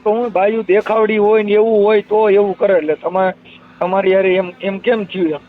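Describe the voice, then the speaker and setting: A man's voice: sits high, level tone, brisk. A man with a Kathiawadi Gujarati accent questioning someone informally by phone and repeating details back to confirm them. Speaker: host taking a caller's complaint. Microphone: telephone line. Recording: tinny narrowband phone call recording.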